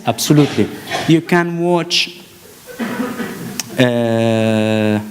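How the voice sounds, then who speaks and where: A man from Palestine, giving an earnest conference talk, often pausing and restarting as he searches for words. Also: mid-range voice, a little mellow, a little hiss or hum, poor audio. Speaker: actor and panel speaker. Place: conference hall stage.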